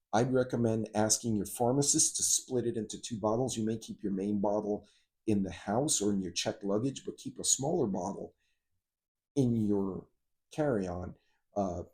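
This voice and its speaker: A man's voice: lowish voice, warm tone. A middle-aged man hosting a casual vlog, talking in a rambling, conversational way with frequent asides and practical advice. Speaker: host of a preparedness and travel channel.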